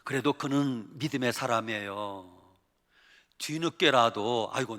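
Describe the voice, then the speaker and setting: Male pastor preaching in a big echoey church, bright voice, acts out the people in his stories. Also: medium pitch. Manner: animated storytelling, acting out voices of people in the stories; swings from loud exclaiming to hushed murmuring. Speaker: senior pastor. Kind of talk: Sunday sermon. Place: church sanctuary. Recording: reverberant church sanctuary.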